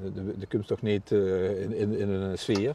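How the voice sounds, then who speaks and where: Dark, mellow tone from a man at a fairly low pitch. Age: 60s. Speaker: retired provincial governor. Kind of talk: casual interview. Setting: outdoors on a hillside.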